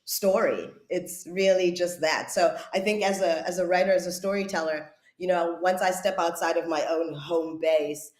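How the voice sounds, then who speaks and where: A woman's voice: fairly low pitch, steady tone, normal speed, hardly any pauses, darkish tone. Woman in an echoey room. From South Africa. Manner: thoughtful, searching for words. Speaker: guest, writer and director. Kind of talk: reflective conversational interview.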